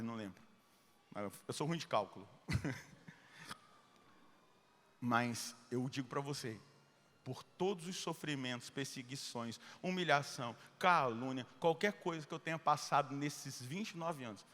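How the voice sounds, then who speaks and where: A middle-aged Brazilian man, a Catholic priest, preaching a sermon full of personal stories. He acts out dialogue and swings between loud and hushed speech. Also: mid-range voice, normal speed, big-room sound. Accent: Brazilian Portuguese.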